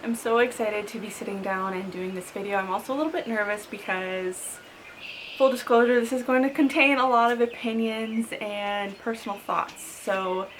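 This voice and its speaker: A thirty-year-old woman sits and talks to the camera in a casual vlog as a lifestyle vlogger, with a mid-range voice at normal speed. She's chatty and upbeat, laughs lightly, and fills her speech with "like." The audio is poor, with slight background noise.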